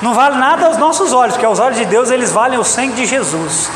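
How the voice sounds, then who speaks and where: High-pitched Brazilian man preaching in echoey hall. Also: lively intonation, fast. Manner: emphatic, repetitive, addressing the congregation directly. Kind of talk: sermon. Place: reverberant church hall. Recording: echoey hall, loud background noise.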